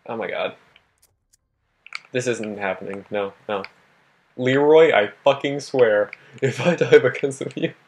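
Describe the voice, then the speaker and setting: A young man with a husky, worn voice that he is losing, giving casual gameplay commentary, swearing and talking to himself. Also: mid-range voice, unhurried, pauses often. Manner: swears a lot, laughs often, talks to himself. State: losing his voice. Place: home at night.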